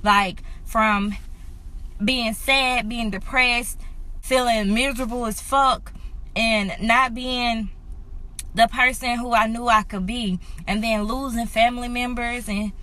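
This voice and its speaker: Her pitch is fairly high and her tone sharp yet steady, and she speaks slowly. She's a woman in her twenties doing an unfiltered, chatty vlog rant aimed straight at viewers, filmed on a handheld phone at home and then inside her car.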